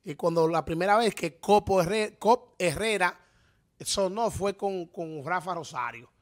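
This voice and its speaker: A Dominican man in his thirties talks on a studio panel show in an animated, emphatic way, firing off rhetorical questions. His voice sits a little high, and he speaks into a desk microphone. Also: a little slow. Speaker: radio show co-host. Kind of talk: casual panel commentary. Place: TV-radio studio. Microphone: studio microphone on desk stand.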